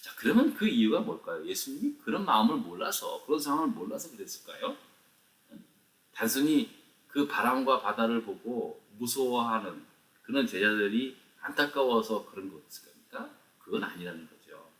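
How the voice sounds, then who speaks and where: Animated male pastor preaching from afar. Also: mid-range voice, moderate pace, distant mic. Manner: conversational, animated preaching with rhetorical questions. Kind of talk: sermon at a morning prayer meeting.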